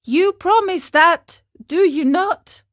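A woman reading an audiobook, voicing an eager, mischievous wooden puppet boy who talks in a high, pleading way. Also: takes it slowly, fairly bright tone, heavily acted.

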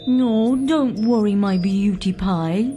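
Man putting on an excitable high-pitched teenage girl. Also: slow, soft background music. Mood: reassuring. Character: excitable, pleading sixteen-year-old girl space tourist. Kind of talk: children's storybook character voice.

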